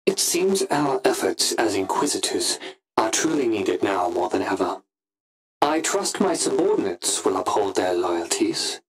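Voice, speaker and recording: Dark lord of a space empire, low voice, brooding, calculating, pompous villain delivery, deliberate phrasing, audio drama log. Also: male voice, sing-song, a little hiss or hum, rough recording. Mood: brooding, wary. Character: ambitious, brooding male Sith Inquisitor, menacing and calculating. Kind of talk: scripted in-character log narration.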